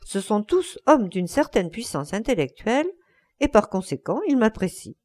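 Cynical young lord, airy and ironic, lively intonation , read by a woman. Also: mid-range voice, moderate pace, close to an everyday voice. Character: witty, languid aristocratic young lord, cynical.

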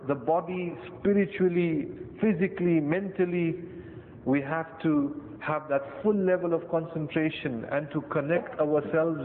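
A man with a South Asian accent giving a Muslim sermon, deliberate, in short phrases with pauses and repetition. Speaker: Muslim preacher. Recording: tinny band-limited echoey hall, rumbly noise.

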